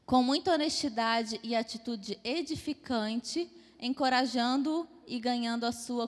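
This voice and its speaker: A woman teaching a church class on temperaments, lively and acting out little dialogues as examples. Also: a little high. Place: church hall. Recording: long hall reverb.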